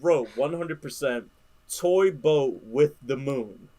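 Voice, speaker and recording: A woman's voice: a bass voice, expressive, slow pace, crowd noise. A woman bantering casually as a game contestant, playfully emphatic and prone to repeating her phrases. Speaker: trivia game contestant and cast member.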